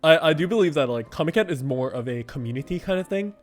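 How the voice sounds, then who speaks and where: This is a young man hosting a game livestream and chatting with viewers. His voice sits high and moves all over the place, animated and quick to laugh. Faint music plays quietly underneath. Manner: animated, laughs often, heavy use of "like". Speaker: game streamer. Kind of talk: casual livestream chat answering viewers.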